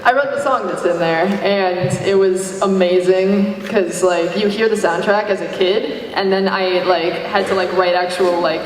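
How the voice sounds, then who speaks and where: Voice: medium pitch, fairly even intonation, a little slow, hardly any pauses. A panelist chatting casually and jokingly to an audience about creative work. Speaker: panelist, parody series creator. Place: large convention panel room. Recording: distant echoey hall, clear background noise.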